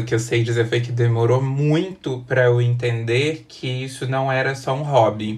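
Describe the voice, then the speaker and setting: A man speaks at a fairly slow pace with a medium pitch and fairly even intonation. Noticeable background noise runs under his voice. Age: 30s. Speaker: content creator. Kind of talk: casual chat.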